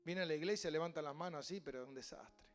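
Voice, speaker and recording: A man with an Argentine Spanish accent, a pastor preaching a sermon with passion, mimicking voices and building to loud cries. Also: fairly high pitch, fast talker, soft background music.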